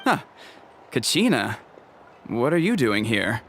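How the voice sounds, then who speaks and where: A man voicing a protective, plain-spoken tribal chief in a video game, middle-aged, measured, guarded and authoritative. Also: medium pitch, sing-song, background noise. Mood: guarded, firm. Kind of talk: video game character dialogue. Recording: loud game music behind the voice. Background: game music.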